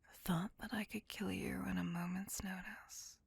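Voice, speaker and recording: A woman voicing a tormented, possessive female vampire centuries old, whispering slowly and intimately into a close microphone in an ASMR roleplay. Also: mid-range voice, level tone, creaky, slightly rough, no echo, full character voice. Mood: brooding menace. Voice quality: whispered throughout. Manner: slow, brooding, intimate.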